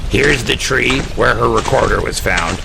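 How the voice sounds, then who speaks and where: Male actor as folksy sheriff, cooperative, deep-crackling voice, audio drama, clearly noisy background. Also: a little slow. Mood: matter-of-fact. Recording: noisy ambience behind audio drama dialogue.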